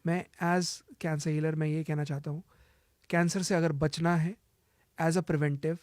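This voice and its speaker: A man's voice: on the high side, flat delivery, slow pace, a little mellow, dry recording, clean studio sound. A man speaking as a cancer healer, giving urgent advice and repeating his warnings, mixing English phrases into Hindi. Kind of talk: advice-giving interview talk.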